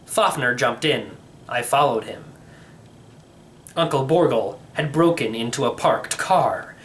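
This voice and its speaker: Animated man narrating a storybook, noisy recording. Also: medium pitch, a little slow. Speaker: storybook reader. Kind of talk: first-person storybook narration.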